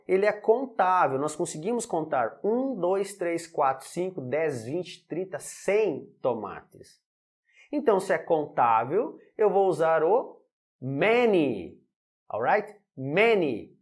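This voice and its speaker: Animated Brazilian man teaching English. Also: high-pitched. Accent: Brazilian Portuguese. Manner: repeats examples, checks in with "alright?". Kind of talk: online language lesson.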